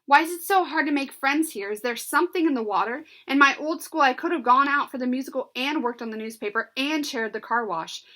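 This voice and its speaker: A woman voicing an upset teenage girl who complains in high, quick outbursts. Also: animated, natural voice. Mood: whiny upset.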